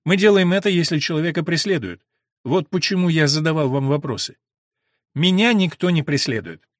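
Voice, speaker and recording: A man's voice: a little high, expressive, fairly quick, no room sound, studio quality, natural voice. A man voicing an earnest young male recruiter who talks persuasively.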